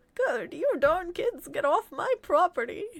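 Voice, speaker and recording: A put-on character voice with extremely high pitch, very wide pitch swings and a fairly slow pace. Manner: grumpy, scolding.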